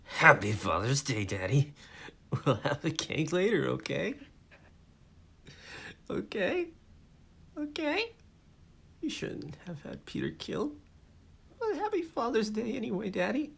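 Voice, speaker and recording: A man voicing a distraught, bitter daughter who talks haltingly and breaks off mid-sentence. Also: high voice, very animated, gravelly, pushed and bright, breathy edge, exaggerated voice. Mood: mocking. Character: distraught middle-aged daughter, bitter and unhinged. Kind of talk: dramatic story reading.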